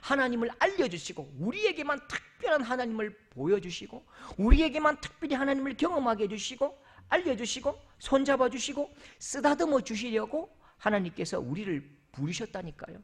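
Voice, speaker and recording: A man from South Korea delivers a church sermon with a high, lively voice that leaps up and down in pitch. He is animated and playful, slipping into other people's voices to make his point. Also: a little fast. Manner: animated, acts out quoted voices with big pitch jumps. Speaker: pastor. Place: church sanctuary.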